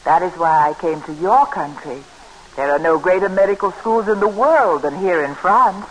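A woman's voice: lowish voice, moderate pace, natural voice, poor audio. An actress playing a determined young American woman doctor, in 1940s radio acting style from an old radio broadcast. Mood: earnest. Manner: earnest, poised.

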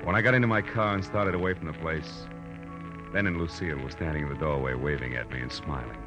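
Low-voiced, weary American radio private eye. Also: male voice, quick pace. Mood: tired, reflective. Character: weary hard-boiled male private detective, wry. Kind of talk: 1940s radio detective narration and dialogue. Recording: dull vintage radio recording with music.

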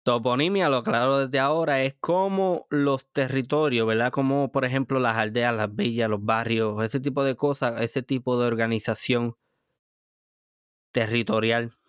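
Clear-voiced man with Puerto Rican Caribbean Spanish accent. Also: medium pitch, normal speed, no echo, clean studio sound. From Puerto Rico. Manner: emphatic, conversational, addresses the listener directly. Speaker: podcast host. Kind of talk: casual podcast monologue recapping episodes.

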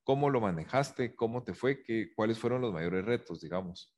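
Man, fairly low voice, interviewer, rambling questions, many fillers. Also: animated, moderate pace, darkish tone. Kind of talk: conversational interview.

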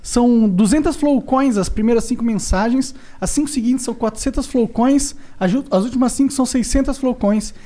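A man's voice: extremely high pitch, a little fast, few pauses. Thirties male podcast host, laid-back and slangy, reads sponsor spots casually. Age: 30s. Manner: relaxed, slangy, chuckles.

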